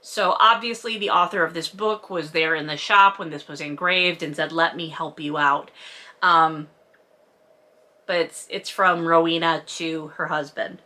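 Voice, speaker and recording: A woman's voice: sits low, fairly even intonation, measured pace, bright, forceful tone. A woman giving a casual, comedic book recap with sarcastic, wry asides, in the manner of a video host.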